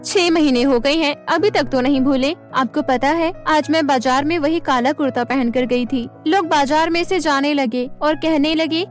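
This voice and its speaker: A woman voicing an earnest, easily upset young new bride in an expressive cartoon storybook style. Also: high voice, moderate pace, few pauses, faint music behind, close to an everyday voice. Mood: aggrieved, sad. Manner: expressive, plaintive storybook dialogue.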